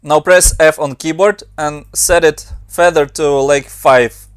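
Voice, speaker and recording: A young man from Ukraine with a Ukrainian accent, calmly talking through a software tutorial step by step. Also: on the high side, a little slow, clear, resonant tone, dry recording. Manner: steady step-by-step instructions in non-native English. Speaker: motion design tutor. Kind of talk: screen-recorded software tutorial.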